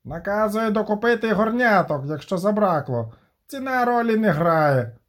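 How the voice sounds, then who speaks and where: Man reads hoarse high creature in furs, pompous announcer, odd timbre. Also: very animated, normal speed. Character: hoarse furry creature in disguise.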